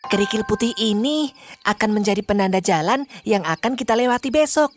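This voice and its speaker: A woman voicing a clever, brave young boy in a cartoon, lively and reassuring. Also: mid-range voice, brisk, over music, lightly acted. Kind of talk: cartoon voice acting.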